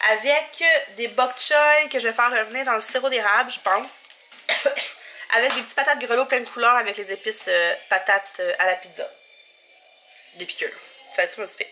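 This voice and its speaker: Bright, chatty Québécois woman vlogging at home. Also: a little high, slight background noise. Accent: Québécois French. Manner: chatty, rambling, many fillers and little laughs. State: sniffly, stuffy nose. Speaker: family vlogger. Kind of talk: casual home vlog chat. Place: home kitchen, indoors.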